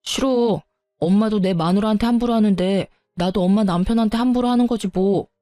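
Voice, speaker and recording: A woman's voice: mid-range voice, fairly quick, dark tone, dry recording, faint music behind, natural voice. A woman voicing a young husband who protests with agitation in a storytelling video. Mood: heated. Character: heated young husband defending his wife.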